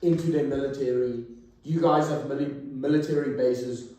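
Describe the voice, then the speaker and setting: A man's voice: mid-range voice, normal speed. A man hosting a podcast, chatting casually and asking his guest questions with plenty of fillers. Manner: relaxed, lots of fillers, asks questions. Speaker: podcast host. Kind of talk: casual chat. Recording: very echoey room, far from the mic.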